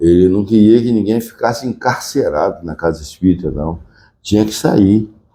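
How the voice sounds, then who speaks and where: A man's fairly low voice with a dark, mellow tone, ordinary pitch variation and a moderate pace. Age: 80s+. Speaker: spiritist movement veteran. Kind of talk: interview. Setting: recorded on location in Santa Cruz.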